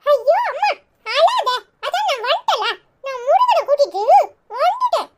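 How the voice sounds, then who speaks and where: A woman's voice: extremely high pitch, big pitch swings, normal speed. A woman voicing a chatty, bossy little boy in a cartoon, with a Tirunelveli Tamil accent. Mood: chirpy. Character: chirpy cheeky little boy. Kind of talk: cartoon voice acting. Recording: clear background noise.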